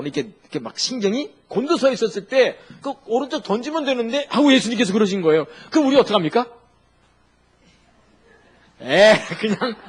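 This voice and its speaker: A middle-aged male pastor delivers a sermon with a husky, slightly raised voice. His pitch leaps up and down as he preaches in a chatty, animated way, tossing rhetorical questions to his listeners.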